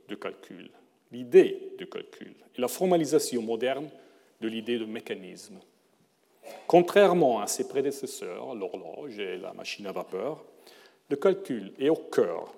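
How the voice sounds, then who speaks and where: Man, middle-aged, non-native speaker, formal lecture, careful measured reading, self-corrections, mellow voice, long hall reverb. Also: mid-range voice. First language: not French.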